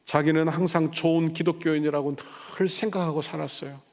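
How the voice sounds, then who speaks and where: A man's voice: fairly high pitch, fairly even intonation, brisk. A middle-aged man, a senior pastor, preaching a sermon and telling stories, acting out the people he quotes and building to emphatic passages. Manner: storytelling, acting out quoted voices.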